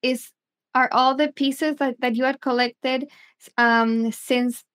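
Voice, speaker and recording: A woman's voice: high-pitched, fairly even intonation, slow pace, a bit bright. A woman hosting a podcast interview, framing long questions with many fillers.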